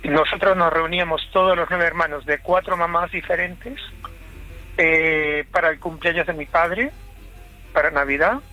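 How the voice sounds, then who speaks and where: A man from Chile calling in to a late-night radio show, telling a family story in a halting, reflective way. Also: on the high side, pushed and bright, soft background music, poor audio. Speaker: caller.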